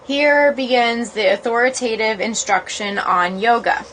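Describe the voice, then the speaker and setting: A woman's voice: a little high, unhurried, fairly bright tone, a little hiss or hum, low-quality recording. A woman casually hosting a livestream as a yoga blogger, chatty and informal, in a small room. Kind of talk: casual livestream chat, with halting read-aloud. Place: small, cold, uninsulated cottage room. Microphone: phone livestream.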